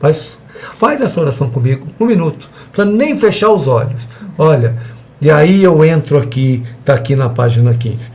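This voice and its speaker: A man's voice: fairly high pitch, lively intonation, normal speed, darkish tone. A man teaching a church evangelism class in a conversational way, acting out little dialogues with the people he talks to. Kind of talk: church seminar lesson.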